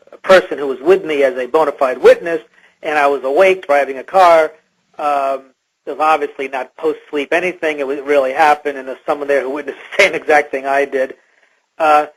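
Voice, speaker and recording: A man speaking through a voice-altering effect, recounting personal experiences haltingly as a guest in a radio interview. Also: on the high side, low-quality recording. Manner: hesitant, halting. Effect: electronically altered disguised voice.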